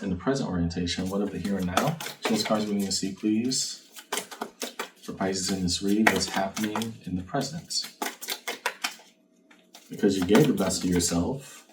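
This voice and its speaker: A man with a fairly low voice gives a tarot reading in a conversational fortune-teller manner. He is reflective, posing questions straight to the listener. He sounds slightly away from the mic, with faint noise in the recording. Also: distant mic. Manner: reflective, addresses listener directly, rhetorical questions. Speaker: tarot card reader, channel host.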